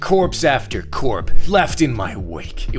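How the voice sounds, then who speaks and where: A very slow put-on character voice from a man, over clear background noise. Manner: gruff, triumphant.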